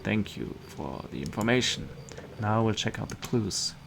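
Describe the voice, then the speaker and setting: A man's voice: fairly low pitch, expressive, moderate pace, gravelly, a bit bright, slight background noise, full character voice. A man reading the lines of a stern, probing investigator in a visual novel. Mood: curt. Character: stern, probing male investigator questioning a guard.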